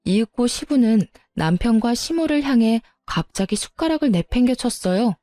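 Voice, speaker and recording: A woman narrating a family story in the first person, in an even storytelling manner. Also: fairly high pitch, moderate pace, no room sound, clean studio sound, soft background music. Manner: even, storytelling, politely firm in quoted lines.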